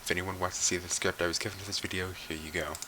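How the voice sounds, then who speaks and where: A man with a raspy voice giving rambling, unscripted commentary, swearing freely and trailing off with fillers. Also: low voice, flat delivery, very fast, bright, forceful tone, a little hiss or hum. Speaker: commentary YouTuber.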